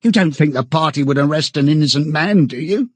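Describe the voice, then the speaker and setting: A man's voice: on the high side, brisk, no echo, pitched above the performer's own voice, natural voice. A man voicing a frightened, servile, middle-aged party loyalist in an audiobook, stammering and eagerly chummy. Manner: stammering, chummy old-fashioned British chap talk, sententious.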